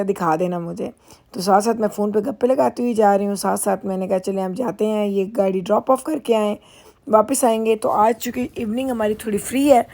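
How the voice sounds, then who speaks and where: A woman's voice: medium pitch, vocal fry, dark tone. A middle-aged woman from Pakistan chatting casually in a vlog, rambling and laughing easily as she drives and waits. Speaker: vlogger. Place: car while driving, then dealership lounge.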